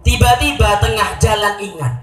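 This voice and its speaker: A man preaching a lively sermon, telling a story, acting out voices and asking the crowd questions. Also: high voice, moderate pace. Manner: animated, acts out voices, chants takbir, asks audience questions. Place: outdoor religious gathering with PA speakers. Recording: echoey PA sound from far off, faint music.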